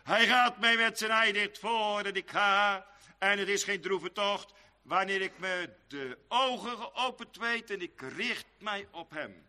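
A male preacher giving a sermon, swinging between soft, quick asides and loud, drawn-out exhortations. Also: high-pitched. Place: church. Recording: long reverb of a church hall.

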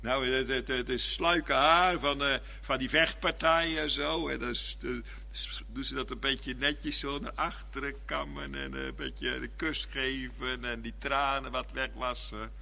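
A man's voice: mid-range voice, steady tone, measured pace, gravelly, pushed and bright. A male minister delivering an earnest, repetitive Reformed sermon in a church. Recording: long church reverb.

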